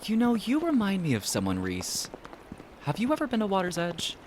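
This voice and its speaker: A woman playing an inquisitive, casual cryptid in disguise in an audio drama, with a deadpan, probing manner. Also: mid-range voice, normal speed, slight background noise.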